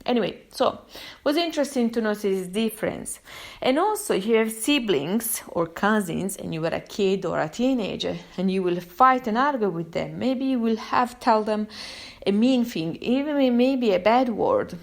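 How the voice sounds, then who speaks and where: A woman from Italy with an Italian accent, a therapist talking through a casual live monologue, chatty and given to sudden pitch jumps when she acts out quotes. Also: expressive, normal speed, gravelly. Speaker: therapist and podcast host.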